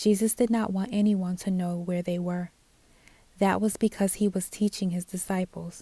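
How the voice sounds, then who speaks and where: The voice is soft-spoken, calm and somewhat breathy, with a dark, mellow tone and monotone, flat intonation at a moderate pace. The sound is dry and close with no echo, on a very clean recording with a silent background. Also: woman. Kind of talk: soft-spoken audio Bible reading.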